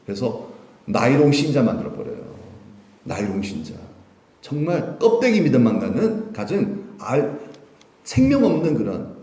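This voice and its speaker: A male pastor delivers a Sunday sermon in a lively, swinging voice, throwing questions out to his congregation. His tone is mellow and sits a little above the usual pitch for a man. The sound rings through a roomy church sanctuary. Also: moderate pace. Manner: animated, full of rhetorical questions to the congregation.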